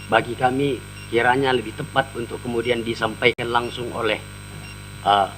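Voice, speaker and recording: A man's voice: medium pitch, flat delivery, moderate pace, a bit bright, soft background music, poor audio. A man, a lawyer, formally addressing a committee with many hesitations and a deferential tone.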